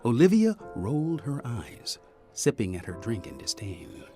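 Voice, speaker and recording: A man's voice: medium pitch, huge pitch swings, measured pace, over music. A man narrating a scripted audio drama as an arch, dramatic storyteller.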